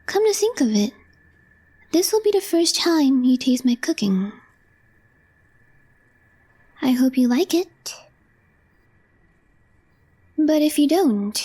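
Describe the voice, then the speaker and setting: A woman playing a calm, deadpan young female coworker with a crush in an ASMR roleplay, speaking softly and breathily in measured, short phrases. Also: sits high, full character voice. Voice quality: soft, breathy, half-whispered. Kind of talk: intimate ASMR roleplay, scripted.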